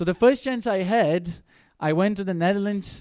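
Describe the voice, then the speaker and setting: A man's lively intonation at a fairly quick pace. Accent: Brazilian. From Brazil. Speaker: missionary speaker. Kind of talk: testimony and presentation to audience. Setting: stage with audience and slides.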